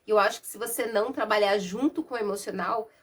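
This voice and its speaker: A woman's voice: mid-range voice, fast talker, breathy edge. Nasal Brazilian woman with a cold. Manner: warm, conversational, uses many diminutives and asides. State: has a cold. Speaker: therapist and mentor. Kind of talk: casual explainer talk to camera. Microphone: no external microphone.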